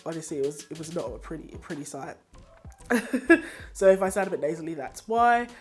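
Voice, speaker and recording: A woman's voice: low voice, lively intonation, a little fast, faint music behind. A young woman, a bit nasal from a cold, chatting enthusiastically as she reviews beauty products she has used up. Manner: chatty, enthusiastic, laughs often. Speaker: beauty vlogger. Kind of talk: casual product review chat.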